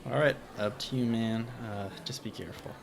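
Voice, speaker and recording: A man's voice: lowish voice, moderate pace, gravelly, soft background music. A man playing an apologetic, hesitant young diner worker in a casual audio drama. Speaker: podcast drama actor.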